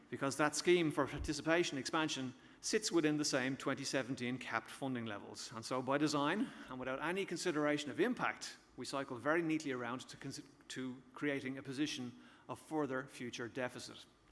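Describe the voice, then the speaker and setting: Speaking at a fairly quick pace in an Irish accent, a man with fairly high pitch and ordinary pitch variation shows big swings in loudness. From Ireland, Dublin. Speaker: university vice-chancellor. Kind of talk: conference keynote speech. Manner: fast.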